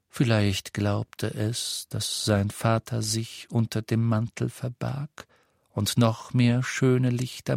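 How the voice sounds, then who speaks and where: A man narrating a fantasy novel in a measured, dark storytelling manner. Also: fairly low pitch, creaky, breathy edge, dry recording, clean studio sound. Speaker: audiobook narrator.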